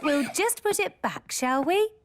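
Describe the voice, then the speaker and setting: A woman's voice: high voice, expressive, a little slow, heavy background noise. A woman playing a cheery, patient British primary school teacher with a sing-song manner in a children's cartoon.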